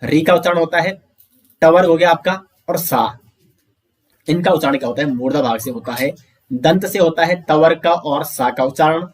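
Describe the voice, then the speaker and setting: Guy teaching grammar online, fairly high voice, asks then answers himself, drills sounds out slow. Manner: explains step by step, asks questions and answers them himself; says sounds out slowly for pronunciation drills.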